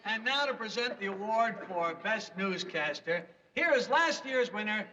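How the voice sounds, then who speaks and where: A man's voice: high voice, animated, normal speed. An actor playing a formal male awards emcee announcing nominees. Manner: announcing, stiff. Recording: distant, muffled, noisy old TV audio.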